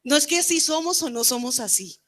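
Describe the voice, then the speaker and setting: Bright-voiced woman preaching a testimony. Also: high voice, lively intonation, fairly quick. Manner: earnest, swings from loud fervent prayer to hushed quiet. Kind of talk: personal testimony sermon. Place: church women's camp gathering.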